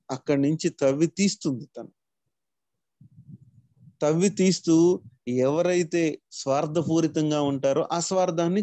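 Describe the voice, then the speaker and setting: A man's voice: fairly high pitch, mellow, no room sound. A man teaching a spiritual class in an explanatory way, addressing his listeners as masters.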